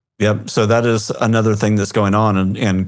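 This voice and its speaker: A man speaks with a slight Arkansas accent. The recording is very clean, with a silent background. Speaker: podcast host. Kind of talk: casual podcast discussion.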